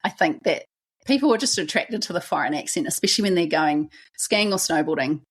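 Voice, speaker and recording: A woman's voice: lowish voice, a little fast, slightly rough. A young woman from New Zealand with a New Zealand accent, hosting a podcast and telling her own story in a chatty way, often adding "like" and "right?". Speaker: podcast host.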